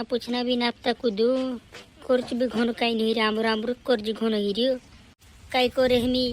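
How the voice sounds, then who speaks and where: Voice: medium pitch, lightly acted. An actor voicing a stubborn village farmer father in a cartoon comedy, speaking with a rural Madhya Pradesh tribal accent. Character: village farmer father selling a goat at market, haggling stubbornly.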